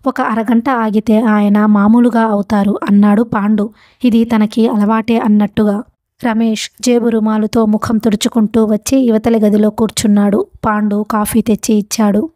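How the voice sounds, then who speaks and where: Audiobook narrator, woman, mellow higher voice, dry close sound. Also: dry recording. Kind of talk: scripted novel narration.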